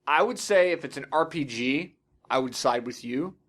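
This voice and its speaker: A man's voice: a little high, animated, normal speed, fairly bright tone. A man hosting a casual video game podcast, chatting in an opinionated way and swearing freely. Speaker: podcast host.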